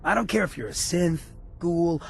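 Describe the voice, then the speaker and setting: An actor playing a gritty, sinister ghoul mayor in a video game, with a gravelly rasp and controlled power. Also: male voice, on the high side, expressive, normal speed. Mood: welcoming, menacing. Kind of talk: video game character acting. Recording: game dialogue with faint music behind.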